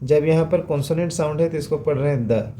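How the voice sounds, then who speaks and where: A man's voice: a little high, fast, mellow, a little hiss or hum. A man teaching English reading, patiently repeating sounds and checking in with rhetorical questions. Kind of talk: phonics lesson explained in Hindi.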